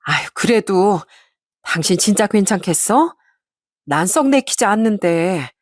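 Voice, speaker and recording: A woman doing a blunt, grumbling middle-aged mother who pushes back against her family. She speaks at a mid pitch, heard close and dry. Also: expressive, a little slow, dry recording. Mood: worried. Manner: blunt, complaining.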